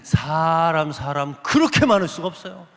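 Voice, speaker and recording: High, lively male testimony speaker. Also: normal speed, faint music behind. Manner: lively storyteller who acts out quoted voices and asks the audience questions. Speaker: guest speaker giving a testimony. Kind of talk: animated testimony talk to a congregation. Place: large church sanctuary. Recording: long reverb of a big sanctuary.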